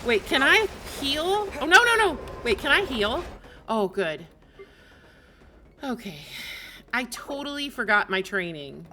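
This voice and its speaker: A woman doing casual live gameplay commentary, playful, excitable and quick to react. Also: sits high, a little hiss or hum. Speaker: game streamer. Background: game music.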